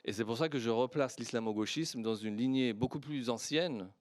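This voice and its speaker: A man, a native Persian speaker, answering questions on an academic panel in a measured way, often hesitating and restarting. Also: medium pitch, no room sound, studio quality. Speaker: panelist historian. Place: conference hall.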